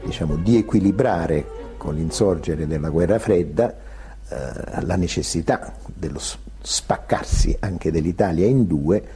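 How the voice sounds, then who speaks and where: A male historian gives commentary in a low voice. His phrasing is halting and convoluted, and music plays clearly behind him. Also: warm tone. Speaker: historian interviewee.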